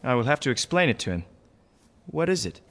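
A man's voice: mid-range voice, big pitch swings, brisk, fairly bright tone. An actor playing a humble, courteous Native American man in a radio drama, speaking in a thoughtful, formal, deferential way. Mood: courteous, curious. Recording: faint music behind. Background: faint music.

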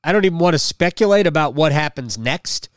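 High-voiced man hosting a sports podcast. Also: expressive, fairly quick, no room sound, studio quality. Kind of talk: casual post-game sports commentary.

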